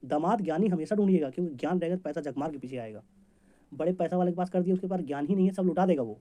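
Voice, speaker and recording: Fast-talking male exam teacher. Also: on the high side, expressive, warm tone. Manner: rapid, chatty, jokey teaching with homely examples. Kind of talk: memory-trick lesson for competitive exams.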